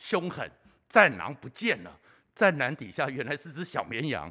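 Over a quiet background, a man with a bright, sharp tone and vocal fry speaks at a moderate pace in a fairly high pitch. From Taiwan. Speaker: political commentator. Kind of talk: solo political commentary. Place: studio. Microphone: studio mic.

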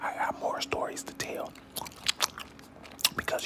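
A man whispers his words at a moderate pace. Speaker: ASMR creator. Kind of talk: casual talk to camera. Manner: whispered. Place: home room. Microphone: phone near.

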